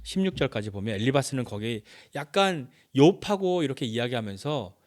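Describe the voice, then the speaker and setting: Animated male pastor preaching. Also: mid-range voice, a little fast. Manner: animated, acts out dialogue. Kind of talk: sermon.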